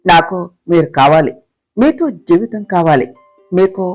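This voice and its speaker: A storyteller voicing a frightened young wife who pleads with her husband through tears, soft guitar playing behind. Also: medium pitch, animated, unhurried. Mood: tearful. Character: tearful young pregnant wife, fearful and devoted. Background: soft guitar music.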